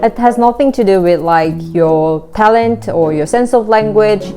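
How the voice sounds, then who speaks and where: A young woman with a Korean accent, a Korean native speaker, giving relaxed conversational tips in a vlog, often using "like" as a filler. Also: mid-range voice. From South Korea. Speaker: vlogger. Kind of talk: casual talking-to-camera tips. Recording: background music.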